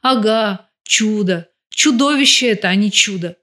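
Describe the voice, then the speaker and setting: A woman's voice: mid-range voice, a little slow, a bit bright, close to an everyday voice. Woman narrator voicing a surly grumbling bodyguard, audiobook, light touch. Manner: grumbling, teasing. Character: gruff grumbling male bodyguard.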